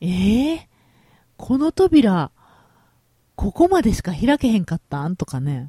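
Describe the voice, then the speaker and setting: Over a dry, close sound with no echo, a woman at medium pitch speaks at a fairly slow pace with long, frequent pauses, very wide pitch swings and a somewhat breathy, dark, mellow tone. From Osaka (Shinsaibashi). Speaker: podcast host, food reviewer. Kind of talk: casual solo monologue.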